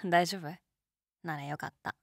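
Low-voiced, teasing college girl played by a woman. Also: steady tone, moderate pace, vocal fry, dry recording, clean studio sound. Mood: sympathetic, gentle. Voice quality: low-toned. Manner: teasing, casual, gently coaxing. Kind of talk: intimate situation-voice role-play, casual chat.

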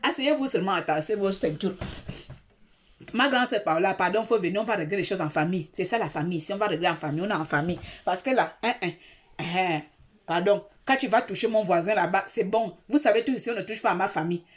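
A woman talking on a live stream, dramatic and repetitive, swinging between loud outbursts and quiet asides. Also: medium pitch, fast. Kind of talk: animated live-stream monologue.

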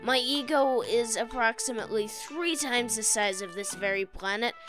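Woman as a playful, high-voiced little boy. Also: moderate pace, music in the background, lightly acted. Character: playful, cheeky young boy, little brother. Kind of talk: fan audio drama acting.

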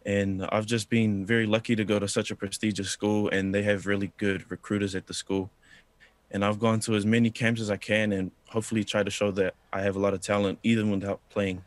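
A man's voice: on the low side, little pitch movement, fairly quick, no room sound. A young man from New Zealand on a video call, answering politely and earnestly, calling the host sir. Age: young adult. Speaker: interviewee. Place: indoor room.

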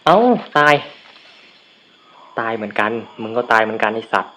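A man casually commentating his own shooter game from a room at home, with shy mumbled asides that break into loud cursing outbursts. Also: on the low side, normal speed. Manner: swears and shouts in bursts at the game. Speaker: gamer recording a let's play. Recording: dull lo-fi sound with faint noise.

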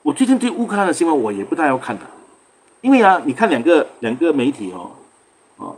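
A man's voice: medium pitch, husky. A man from Singapore hosting a casual livestream, chatting loosely, greeting viewers by name and laughing often. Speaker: livestream host.

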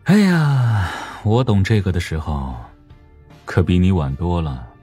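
Audiobook drama role: cunning older male mastermind, low-pitched, lively swooping delivery, unhurried and teasing. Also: breathy edge, soft background music, heavily acted. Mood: wistful, amused.

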